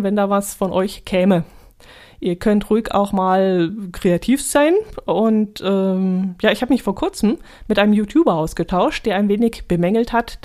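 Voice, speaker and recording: A woman's voice: medium pitch, darkish tone. Chatty woman hosting a podcast. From Allgäu, Germany. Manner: chatty, with frequent ähm fillers and little laughs. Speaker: podcast host. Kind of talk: casual solo podcast chat.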